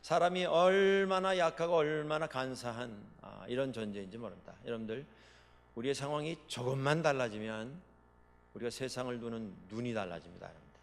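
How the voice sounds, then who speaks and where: A male pastor preaching a sermon, with dramatic swings between loud proclamations and quiet asides. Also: mid-range voice, brisk, gravelly. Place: church sanctuary. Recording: long reverb of a large hall.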